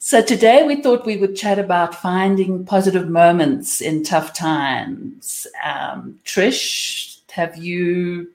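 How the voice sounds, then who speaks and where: A woman's voice: on the low side, slow, a little mellow. A woman hosting a casual video call chat, encouraging and thoughtful. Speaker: host. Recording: echoey room.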